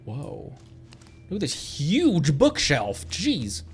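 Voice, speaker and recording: A man's voice: fairly high pitch, wildly swooping pitch, extremely slow, slightly rough, faint music behind. A man streaming a video game, casually thinking aloud and joking about what he sees.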